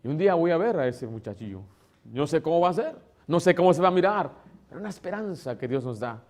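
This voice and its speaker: A man preaching a sermon as pastor, emotional, moving between loud exclamations and soft, tender asides, sometimes acting out relatives in a higher tone. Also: expressive, quick pace. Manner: acts out voices of relatives in a higher tone.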